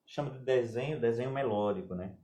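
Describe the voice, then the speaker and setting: A man's voice: mid-range voice, a little fast, warm tone. A man teaching music theory on a live stream, patiently explaining step by step and asking viewers questions.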